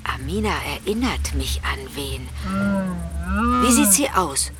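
A woman's voice: low-pitched, sing-song, slow, very noisy, exaggerated voice. A woman in a radio drama playing a brash investigator with a wry, sarcastic way of talking. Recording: with loud music behind.

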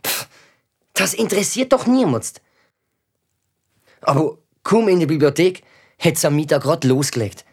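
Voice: mid-range voice, very animated, unhurried, pauses often, darkish tone, breathy edge, full character voice. A performer voicing a cheeky, grumbling schoolboy, who narrates and mocks others in a children's audio drama. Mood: sulky. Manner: sulky, sarcastic, grumbling. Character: cheeky gamer schoolboy, grumpy and mocking. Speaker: narrating lead character.

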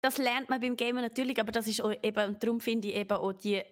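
A woman, co-hosting a game podcast, enthusiastic and quick to laugh. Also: on the high side, steady tone. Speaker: podcast co-host. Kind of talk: casual game discussion.

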